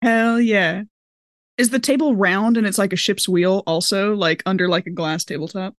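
A woman chats and improvises as a player in a tabletop roleplaying game. She is slangy and playful, with a medium-pitched voice in a dry, close recording. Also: fairly even intonation, normal speed, no echo. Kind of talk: casual, improvised in-character table talk.

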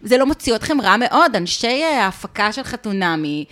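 A woman's voice: a little high, sing-song, fairly bright tone. Israeli woman, opinionated and teasing podcast chatter. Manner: opinionated, teasing, mimics people she discusses. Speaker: podcast co-host. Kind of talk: casual chat recapping a reality show.

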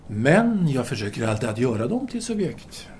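An actor playing a self-assured, philosophizing Parisian intellectual man in an audio drama, with formal, deliberate phrasing. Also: mid-range voice, big pitch swings, darkish tone, close to an everyday voice. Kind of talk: audio drama acting, formal literary dialogue.

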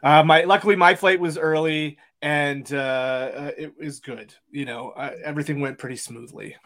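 A man co-hosting a live podcast, telling stories in a relaxed, easygoing way with some hesitation. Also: fairly high pitch, moderate pace. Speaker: podcast co-host. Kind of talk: casual live podcast chat.

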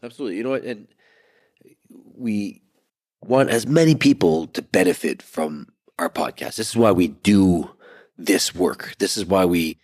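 A man in his forties co-hosts a relaxed couple's podcast with a congested, stuffed-up sound. His voice sits very low, and he talks with energy, often repeating words as he restarts a thought. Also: normal speed, dry recording, clean studio sound. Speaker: podcast co-host. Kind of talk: casual couple's podcast chat.

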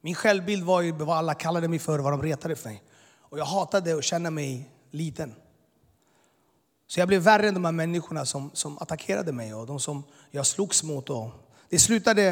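A man in his thirties who came to Sweden as a boy gives an earnest, intense personal testimony, full of filler words. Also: on the high side. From immigrated to Sweden as a boy. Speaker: speaker giving his testimony. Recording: long hall reverb.

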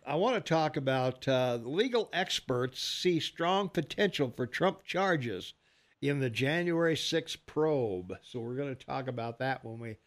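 Chatty older radio host, slightly high. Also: male voice. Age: 60s. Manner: chatty, laughs often, reads headlines and phone numbers. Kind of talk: casual radio talk show chat.

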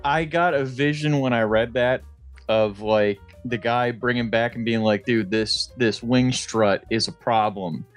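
A man's voice: medium pitch, a little slow, soft background music. An American man co-hosting a podcast, telling stories in a casual, comedic way, swearing freely and laughing as he talks. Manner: laughs while talking, swears freely, jokey storytelling. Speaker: podcast co-host.

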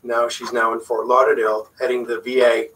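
A man's voice: mid-range voice, a little fast, far from the mic, a loud crowd, rough recording. A middle-aged man from Puerto Rico whose first language is Spanish, a facial plastic surgeon chatting casually as a guest. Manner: relaxed, chatty, frequent fillers. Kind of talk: casual interview chat.

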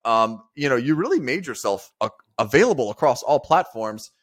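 An upbeat man hosting a business podcast, easygoing and chatty. His voice sits at an ordinary middle pitch, and he drops in casual fillers as he goes. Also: big pitch swings, normal speed. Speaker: podcast co-host.

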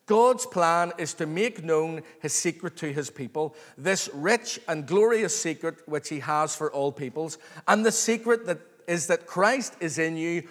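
Guy preaching a sermon, pretty high voice, earnest and excited, repeats phrases for emphasis, big echoey hall. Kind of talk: expository sermon to a congregation. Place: large reverberant room, live before a congregation. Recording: long hall reverb.

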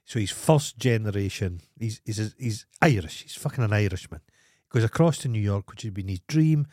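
A man's voice: on the low side, lively intonation, moderate pace, warm tone, no room sound, studio quality. A Scottish man co-hosting a podcast, telling stories in blunt, sweary casual chat. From Scotland. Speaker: podcast co-host.

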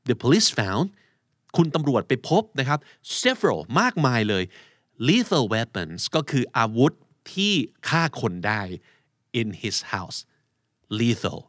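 A man hosting a podcast vocabulary lesson, explaining words slowly and spelling letters aloud. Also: medium pitch, very animated, a bit bright, no echo, clean studio sound. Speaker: English vocabulary podcast host.

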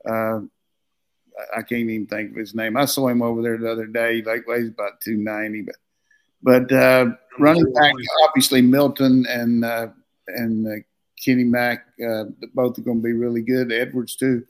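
A man's voice: mid-range voice, flat delivery, moderate pace. Rambling older man talking football. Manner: rambling, folksy, joking, repeats words. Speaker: former football coach, show regular. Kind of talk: casual sports talk.

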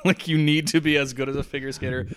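A man with a smooth baritone co-hosting a podcast, chatting casually about history in an informal, sweary, self-deprecating way. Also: steady tone, fast. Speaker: podcast co-host. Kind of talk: casual chat, joking history discussion.

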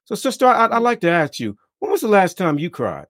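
A man hosting a faith podcast as a minister, talking in a casual, warm-hearted preacher way with lots of repeated amens and greetings. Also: high-pitched, quick pace, no room sound, clean studio sound. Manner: lively, repetitive, preacher-like affirmations. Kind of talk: casual interview.

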